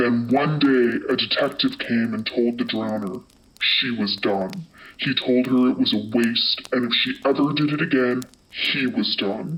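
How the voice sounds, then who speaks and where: A man's put-on character voice at medium pitch, at a fairly slow pace. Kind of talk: spooky campfire story. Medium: audio drama.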